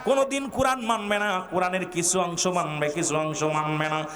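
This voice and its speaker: Guy preaching a sermon, high sharp voice, tells the story low then yells at the crowd, sings the arabic bits. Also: fairly even intonation, normal speed. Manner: melodic chanting of Quranic verses. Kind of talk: Bengali waz sermon, storytelling with chanted Arabic. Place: outdoor religious gathering.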